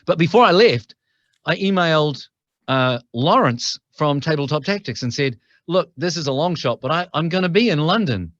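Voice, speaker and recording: A man's voice: a little high, lively intonation, moderate pace, fairly bright tone, dry recording, highs cut off. A middle-aged man with a New Zealand accent, a podcast guest telling stories in a chatty way with frequent restarts. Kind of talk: casual interview chat.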